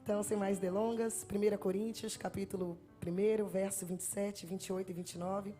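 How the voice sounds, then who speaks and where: Bahian woman guest preacher, 30s, warm dark tone, chatty and self-deprecating, faint music under. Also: mid-range voice, flat delivery, fairly quick. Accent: Bahian Portuguese. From Bahia, Brazil. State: nervous, trembling. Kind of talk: sermon with joking testimony. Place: church sanctuary. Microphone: handheld mic.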